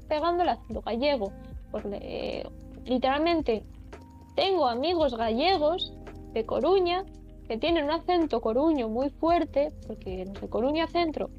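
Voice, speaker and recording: A woman's voice: high voice, darkish tone, lo-fi sound. A young woman from Asturias, a streamer chatting frankly and casually while playing, swearing now and then. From Asturias, Spain. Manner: frank, talks fast when heated, swears casually. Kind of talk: casual chat while gaming.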